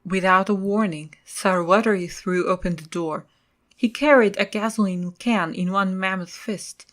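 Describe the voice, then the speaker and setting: A woman's voice: medium pitch, normal speed, fairly bright tone. Woman narrating an audio drama.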